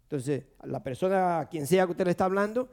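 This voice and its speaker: Quick-talking pastor, a man, higher voice. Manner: quick, lively, asks and repeats questions. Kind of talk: sermon with questions to the congregation. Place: church service.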